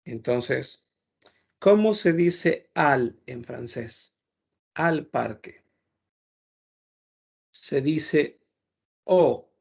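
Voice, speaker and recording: A man gives a classroom lesson at a very slow, deliberate pace. His voice sits slightly high, and he repeats words patiently so listeners can copy the sounds. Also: lively intonation, gravelly, darkish tone, slightly rough. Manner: patient, repeats words slowly to model pronunciation. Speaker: French teacher.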